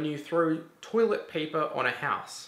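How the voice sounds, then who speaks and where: A man with a fairly high pitch speaks in a Queensland accent. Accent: Australian (Queensland). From Queensland, Australia. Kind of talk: casual talk to camera. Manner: hesitant, many fillers.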